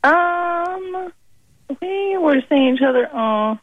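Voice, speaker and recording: High-voiced woman with a Boston accent. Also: expressive, slow pace, no room sound, narrow, tinny audio. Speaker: phone-in guest. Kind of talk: casual chat.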